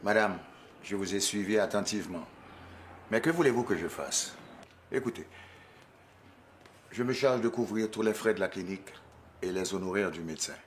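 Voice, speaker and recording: A man's voice: fairly low pitch, slight background noise, lightly acted. An actor playing a formal, defensive father in a film. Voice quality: formal, measured speech.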